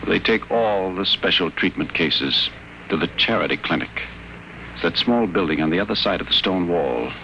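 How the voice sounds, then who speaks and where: An actor playing a wry, wary sanitarium patient with a dry, articulate delivery in a 1950s radio drama. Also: male voice, sits low, animated, normal speed, bright, forceful tone, exaggerated voice, poor audio. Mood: grave, confiding. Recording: old 1950 radio broadcast, faint noise.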